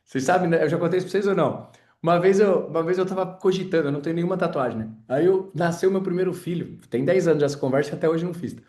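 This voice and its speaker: A man's voice: a little high, very fast, darkish tone, echoey room. A man teaching an informal sales class, chatty and full of personal stories, talking straight to his audience. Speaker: sales trainer.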